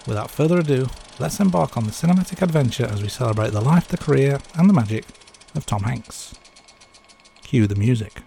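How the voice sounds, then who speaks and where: A man's voice: mid-range voice, expressive, fairly quick, creaky. A man presenting a podcast as co-host, moving between scripted narration and casual chat.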